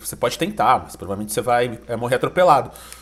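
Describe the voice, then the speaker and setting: This man's voice has vocal fry. His pitch swings very wide. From Brazil. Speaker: filmmaker and narrative strategist; interview guest, podcast director. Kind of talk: casual interview. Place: home room.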